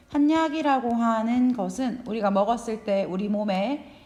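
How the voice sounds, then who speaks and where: Audible room echo surrounds a woman who speaks at a moderate pace with ordinary pitch variation. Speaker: middle school Korean teacher. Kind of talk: online lecture.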